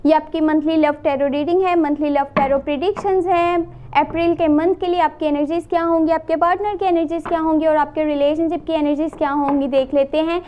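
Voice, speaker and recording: A woman from Pakistan, slightly hoarse from a sore throat, gives a casual tarot reading. She talks straight to the viewer, repeating and listing phrases and mixing in English. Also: high-pitched, fairly even intonation, moderate pace, few pauses, warm tone. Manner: addresses the viewer directly, repeats and lists phrases, mixes in English. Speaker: tarot reader.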